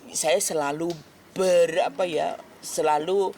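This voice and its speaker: A woman, answering interview questions earnestly and haltingly, often restarting words. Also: on the low side, steady tone, dark tone, a little hiss or hum. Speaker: celebrity guest being interviewed. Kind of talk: emotional interview talk.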